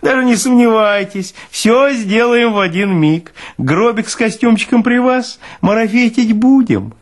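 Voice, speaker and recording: A man's voice: sits high, animated, unhurried, voice pushed up. A male actor voicing a hearty young morgue orderly with a sugary, ingratiating singsong manner. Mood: eager, ingratiating.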